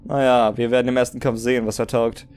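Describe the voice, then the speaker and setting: A man's voice: mid-range voice, little pitch movement, fast, darkish tone, a little hiss or hum, close to an everyday voice. A man playing a jaded but comradely veteran soldier in an audio drama, blunt and resigned.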